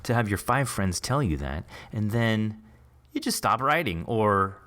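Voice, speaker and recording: A man's voice: lowish voice, expressive, measured pace, fairly bright tone, faint music behind. A man hosting an informal interview, talking in an encouraging, effusive and reflective way. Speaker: podcast host and interviewer. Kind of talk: casual, reflective interview chat.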